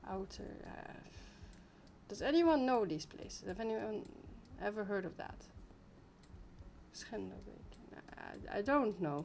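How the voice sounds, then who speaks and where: With audible room echo, a woman speaks at a fairly slow pace, with long, frequent pauses and big swings in loudness. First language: Dutch (Flemish). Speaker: streamer. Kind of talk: live-stream commentary. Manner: casual, chatty; halting over pronunciation.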